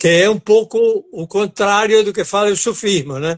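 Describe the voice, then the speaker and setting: A man speaks in a high pitch with an Argentine accent. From Argentina, Buenos Aires province. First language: Spanish (speaking Portuguese). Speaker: acupuncture and Chinese medicine teacher. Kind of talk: casual chat.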